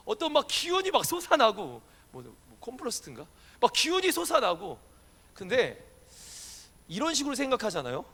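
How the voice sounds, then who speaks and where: A male pastor delivers a conversational sermon to young adults, keeping it casual and playful and tossing questions to the congregation as he goes. His high voice has a sharp tone and swings widely in pitch, and a long church-hall reverb trails after his words.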